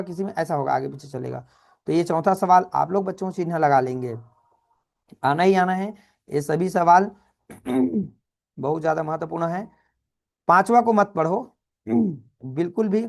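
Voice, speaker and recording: A man, teaching a brisk exam revision lesson and calling his students children. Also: sits high, creaky, a little mellow.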